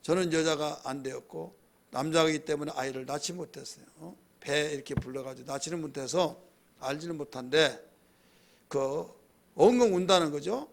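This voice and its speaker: A man's voice: fairly high pitch, moderate pace, vocal fry. A male pastor preaching a sermon in a conversational way, asking the congregation questions.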